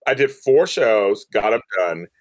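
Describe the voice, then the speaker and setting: A middle-aged man, a podcast guest, telling personal stories in an expressive, playful, talkative way. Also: on the low side, unhurried, dry recording, studio quality. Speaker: podcast guest, media company CEO. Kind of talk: animated personal storytelling.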